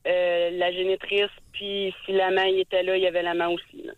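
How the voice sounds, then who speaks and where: A Québécois woman in her thirties calling in to a radio show, talking hesitantly with many filler pauses over a phone line. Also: fairly low pitch, little pitch movement, dry recording. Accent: Québécois French. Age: 30s. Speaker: radio caller. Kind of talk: call-in talk. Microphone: telephone.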